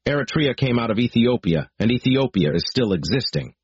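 A man reading out a formal political declaration in a solemn, deliberate, measured way. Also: medium pitch, expressive, breathy edge, no room sound. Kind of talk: formal read proclamation. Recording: dry, dull lo-fi recording.

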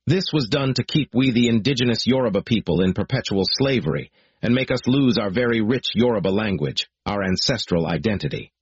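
A man reading out a formal political declaration in a solemn, deliberate, measured way. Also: lowish voice, breathy edge, no room sound. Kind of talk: formal read proclamation. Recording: dry, dull lo-fi recording.

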